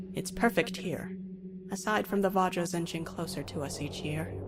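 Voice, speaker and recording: Someone performs in a put-on character voice at a moderate pace. Loud music plays in the background. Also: female-sounding voice, medium pitch for a woman. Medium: audio drama.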